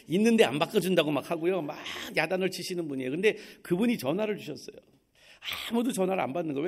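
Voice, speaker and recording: A middle-aged male pastor with a high voice gives a sermon in a church. He tells a personal story in a lively way and acts out the voices of the people in it. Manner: storytelling, acting out quoted voices. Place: church sanctuary.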